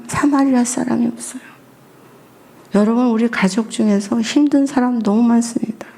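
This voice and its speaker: Gravelly-voiced woman preaching. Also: on the high side. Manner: lively, asks the congregation questions. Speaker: missionary and family counselor. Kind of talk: sermon at a Friday prayer meeting.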